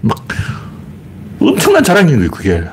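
A man's voice: on the high side, huge pitch swings, normal speed, a little hiss or hum. A man with a Gyeongsang dialect hosting a casual livestream, greeting viewers and rambling through opinionated, mocking commentary. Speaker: livestream host.

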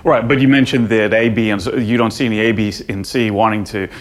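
An American man interviewing on stage as a journalist, choosing his words with pauses mid-phrase. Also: on the low side, steady tone. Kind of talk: live on-stage political interview.

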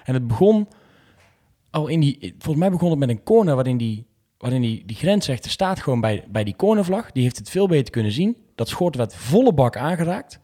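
A man's voice: medium pitch, sing-song, fairly quick, mellow, slightly rough. Opinionated man hosting a football chat. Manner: indignant, opinionated about refereeing. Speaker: podcast host. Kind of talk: casual football podcast chat.

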